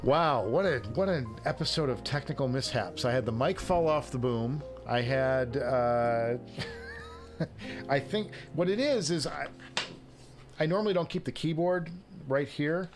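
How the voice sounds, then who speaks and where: A man's voice: medium pitch, unhurried. Joking male livestream host over music. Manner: self-deprecating, joking, breaks into chuckles. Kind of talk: casual chat answering viewers' live comments.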